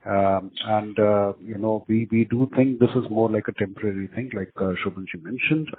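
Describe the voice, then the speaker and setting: A man's voice: on the low side, steady tone, normal speed, slight background noise. A man, a company executive answering analysts on an earnings call, hesitant and full of fillers. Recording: phone-line conference call audio.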